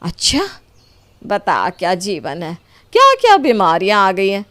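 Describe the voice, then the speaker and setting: A woman's voice: medium pitch, huge pitch swings, a little slow, a bit bright. A woman playing a chatty, nosy sister-in-law, a busy housewife in a story. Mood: chatty, wistful.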